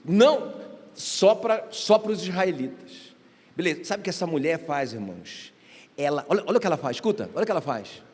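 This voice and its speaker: A man's voice: a little high, very animated, brisk, a little mellow. A man preaching a sermon as pastor, emphatic and often addressing the congregation directly. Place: church hall. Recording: reverberant church hall.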